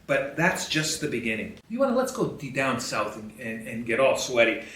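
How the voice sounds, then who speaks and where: A history podcast host delivers animated commentary in a conversational, colloquial and emphatic style, reading newspaper headlines aloud. His mid-range, somewhat bright voice swings widely in pitch at normal speed. He sits distant from the mic in an echoey room.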